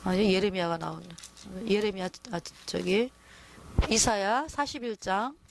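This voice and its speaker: A woman's voice: mid-range voice, moderate pace, creaky, a little hiss or hum. A woman preaching a sermon in a conversational way, often asking the listeners to agree with her.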